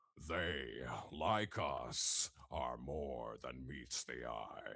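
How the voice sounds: In a put-on character voice, someone speaks very slowly with a raspy sound. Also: man, very deep, low pitch for a man.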